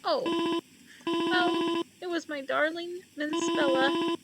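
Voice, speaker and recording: A woman voicing a heartbroken elderly mother at her daughter's funeral, speaking slowly and gently. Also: extremely high pitch, fairly even intonation, pitched above the performer's own voice, exaggerated voice. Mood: grieving. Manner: slow, tearful, gentle. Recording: loud background noise.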